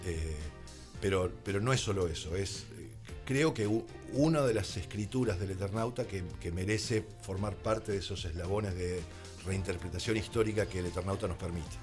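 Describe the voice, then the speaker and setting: A man with an Argentine accent and a low-pitched voice talks as a guest in a radio studio. He explains his ideas in an articulate, deliberate way, with faint music underneath. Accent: Argentine Spanish. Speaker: radio guest, radio drama creator. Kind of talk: reflective radio interview conversation.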